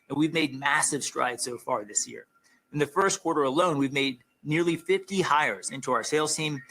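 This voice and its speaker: Bright, forceful male executive. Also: mid-range voice, poor audio. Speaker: company executive. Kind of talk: prepared earnings call remarks.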